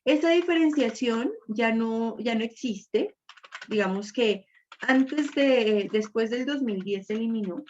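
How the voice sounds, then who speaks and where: A woman's voice: a little high, unhurried, slight background noise. A woman teaching an online reading class, explaining step by step and checking understanding with little question tags. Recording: dull lo-fi audio.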